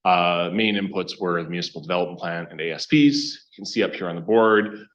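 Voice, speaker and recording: A low-voiced man, a consultant serving as project lead, gives an informal presentation to a council in its meeting room. He speaks in a halting, conversational way, often interrupting and restarting his sentences, picked up by a meeting microphone that sounds dull and band-limited.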